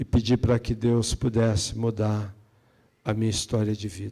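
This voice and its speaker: A man's medium-pitched voice with a dark, mellow tone, on a very clean recording with a silent background. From São Paulo, Brazil. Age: 40s. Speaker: NGO coordinator giving testimony. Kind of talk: testimony. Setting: dinner event speech.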